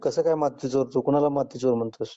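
A man's voice: medium pitch, steady tone, quick pace, dark tone. A man with a rural western Maharashtra accent, interrogating and scolding someone on a phone call in blunt, coarse, condescending colloquial speech. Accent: rural western Maharashtra Marathi. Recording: muffled lo-fi phone call recording.

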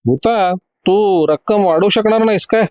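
A man voicing a calm, confident male hero who teases his enemies in a storybook reading. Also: high-pitched, unhurried, no echo, pitched above the performer's own voice. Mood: cool.

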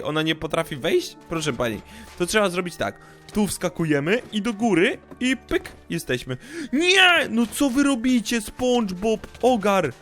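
A young man gives lively let's-play commentary in a slightly high voice. He talks fast and animated, often tipping into loud, panicky shouting. Faint music plays underneath. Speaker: gaming YouTuber.

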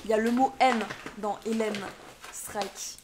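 Twitch streamer: French woman, 20s, bit high, playful chatter, faint room noise. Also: fairly even intonation, unhurried. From France. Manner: playful, switches between French and accented English. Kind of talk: casual live stream chat.

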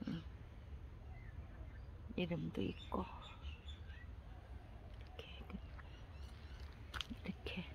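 An older woman talking slowly to herself while tending plants in a casual gardening vlog, often dropping into a half whisper. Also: medium pitch, vocal fry, warm tone, highs cut off, a little hiss or hum. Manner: slow, murmuring, often drops to a half whisper. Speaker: gardening vlogger.

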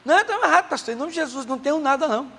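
A man's voice: very high-pitched, expressive, very fast, creaky, bright, forceful tone, voice pushed up, full character voice. A man voicing a distressed young churchgoing woman in denial, speaking with a Brazilian accent in a reverberant church hall. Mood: denying. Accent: Brazilian Portuguese. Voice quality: insistent, pleading.

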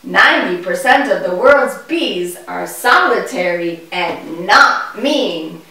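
A woman's voice: fairly low pitch, animated, sharp tone, heavily acted. Lady doing a curious little puppet boy, easily amazed, really swoopy, kids show, echoey and far from mic. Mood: explaining, interested. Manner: exaggerated wonder, drawn-out questions. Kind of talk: children's educational puppet show. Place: indoor puppet stage in a room. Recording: echoey room, distant microphone.

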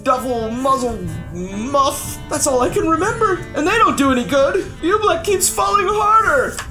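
A woman's voice: high voice, lively intonation, moderate pace, voice pushed up. A woman voicing a proud, helpless old king, pompous, bellowing and groaning, for a storybook with music behind. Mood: desperate.

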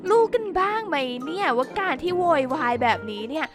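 A gaming YouTuber with a very high voice speaks briskly and with lively intonation. She gives playful commentary over background music, theatrically scolding the characters and addressing her viewers.

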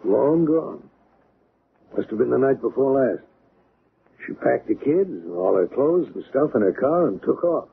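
Sober skeptical buddy in a radio drama, creaky voice, thin noisy old recording. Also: male voice, mid-range voice, animated, unhurried. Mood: sober, resigned. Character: sober, resigned man, a loyal skeptical friend. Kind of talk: 1970s radio drama acting. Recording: narrow-band old radio, background noise.

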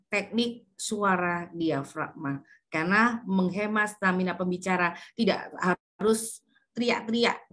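A woman, teaching a public speaking class over a video call and acting out her examples with changing intonation. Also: mid-range voice. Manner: demonstrative, shifts intonation to show examples. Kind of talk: online class lecture.

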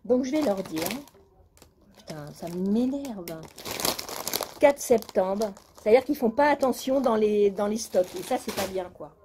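A woman's voice: mid-range voice, expressive, measured pace, background noise. Chatty complaining woman vlogger. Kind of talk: casual chat.

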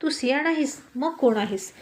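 A woman's voice: sits high, normal speed, a little mellow, lightly acted. A woman voicing a flustered, indignant young male college student in a spoken story. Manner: protesting, pleading.

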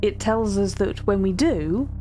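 A woman playing a formal, meticulous auction-house curator in an eerie audio drama, speaking in measured, sometimes hushed narration. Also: mid-range voice, expressive, lightly acted. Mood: measured, absorbed. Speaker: voice actor in a fiction podcast. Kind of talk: scripted dramatic narration, dictated catalogue entries. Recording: music behind the voice.

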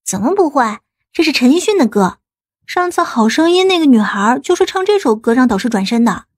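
High-pitched eager village girl played by a woman. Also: very animated, brisk, husky, dry recording, clean studio sound, exaggerated voice. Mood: proud. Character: teenage village girl, eager aspiring singer.

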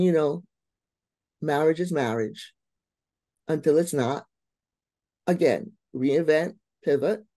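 A middle-aged woman from Barbados, a guest on a video call who tells her life story with warm, expressive emphasis. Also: sits low, no echo. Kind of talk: interview storytelling.

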